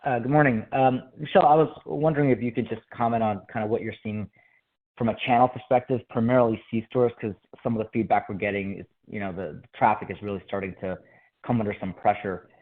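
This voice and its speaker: A man's voice: on the low side, steady tone, fast talker. A man asking conversational business questions as a financial analyst on a conference call. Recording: phone-like conference call line.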